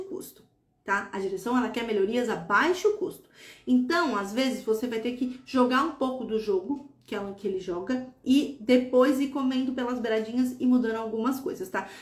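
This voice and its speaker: Her intonation lively, a woman speaks with a high pitch. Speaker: school psychologist and educator. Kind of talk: live Q&A stream. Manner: conversational.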